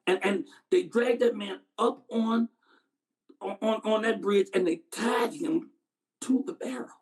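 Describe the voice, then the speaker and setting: A man's voice: high voice, measured pace, rough recording. A man performing a dramatic monologue as a haunted Southern man, stammering and repeating words as he recalls a boyhood horror. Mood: haunted, grave.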